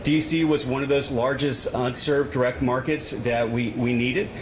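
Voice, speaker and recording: A man's voice: medium pitch, steady tone, normal speed. A man speaking as an airport official at a press conference, explaining things in plain words. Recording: noisy event with background ambience.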